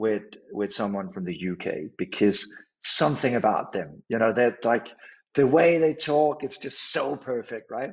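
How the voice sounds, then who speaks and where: In a Danish accent, a man speaks at a medium pitch with lively intonation. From Denmark. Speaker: author and keynote speaker. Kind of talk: interview conversation.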